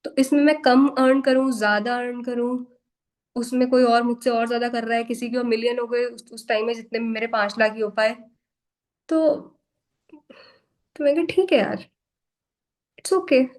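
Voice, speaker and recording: A woman's voice: on the high side, steady tone, normal speed, long pauses, rough recording. Frank young Indian woman leading a workshop. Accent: Indian English. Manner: frank, self-deprecating, mixing Hindi and English. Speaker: workshop host. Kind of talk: casual motivational talk to a live online class. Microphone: video call.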